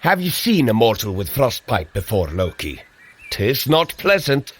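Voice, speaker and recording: An actor playing a hearty, earnest, protective warrior god in a scripted audio drama, with a husky voice and formal archaic diction. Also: male voice, very animated, measured pace, slight background noise. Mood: wary. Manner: formal archaic diction, booming when rallying.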